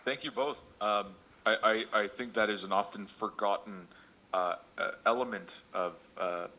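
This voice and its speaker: A man moderating a panel discussion unscripted, speaking haltingly with many hesitations and repeated words. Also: on the low side, steady tone, bright, forceful tone.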